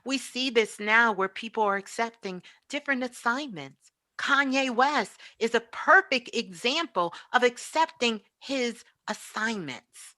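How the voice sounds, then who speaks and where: Bright-voiced woman giving emphatic spiritual teaching. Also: on the high side, lively intonation, measured pace. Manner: emphatic, preaching, with repeated phrases. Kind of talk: motivational spiritual talk.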